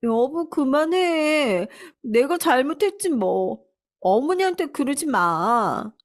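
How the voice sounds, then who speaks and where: A woman's voice: sits high, sing-song, takes it slowly, pitched above the performer's own voice, full character voice. A woman doing a haughty spoiled young wife. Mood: fake meek. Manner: sneering, bossy.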